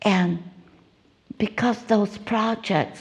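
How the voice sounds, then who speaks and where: The woman's voice carries vocal fry and ordinary pitch variation. She speaks at a very slow pace. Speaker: retired teacher and club volunteer. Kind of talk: interview answer.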